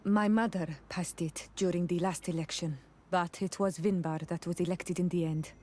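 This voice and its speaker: Game role: young tribal healer woman played by an actress, lowish voice, solemn and devoted, speaks carefully. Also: fairly even intonation, moderate pace, mellow, long reverb tail, natural voice. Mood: earnest advice. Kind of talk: video game voice acting.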